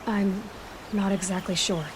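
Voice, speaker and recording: An actress playing a determined young tribal huntress in a video game, plain-spoken, direct and steady. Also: female voice, medium pitch, a little slow, noisy background, lightly acted. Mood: serious, probing. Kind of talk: video game dramatic acting.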